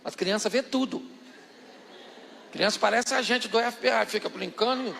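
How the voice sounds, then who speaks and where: High gravelly preacher telling stories. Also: male voice, normal speed, big-room sound, a little hiss or hum. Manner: animated, humorous, acts out characters. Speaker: pastor. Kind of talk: sermon, storytelling.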